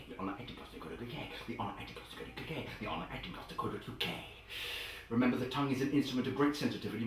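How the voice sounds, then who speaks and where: A pompous, self-important acting coach, played by a man, over-enunciating every word in a bright, ringing tone with a swooping, animated melody. He bursts into sudden loud declamations. He sounds far from the mic in a very echoey room. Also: medium pitch, close to an everyday voice. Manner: theatrical, grandly enunciated, sudden loud outbursts. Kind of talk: comedy character sketch.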